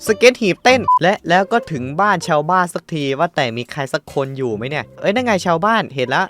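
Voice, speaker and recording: A man's voice: a little high, fast talker, over music. A man hosting a casual let's-play, narrating his own moves, counting aloud and breaking into startled exclamations and coarse slang. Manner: excitable, yelps and exclaims at surprises, coarse slang. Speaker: gaming channel host.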